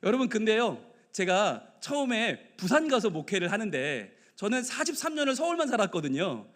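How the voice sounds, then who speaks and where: A man's voice: high voice, normal speed. A man in his forties, a pastor preaching a sermon in a large church, acting out quoted voices as he goes. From Seoul, South Korea. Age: 40s. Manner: animated, acts out quoted voices in dialogue.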